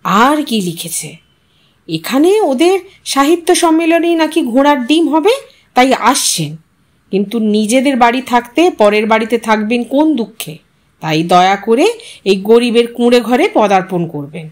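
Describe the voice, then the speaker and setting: A woman's voice: on the high side, expressive, normal speed, close to an everyday voice. A woman voicing a proud, grumbling husband who worries about money, in a sarcastic, complaining manner.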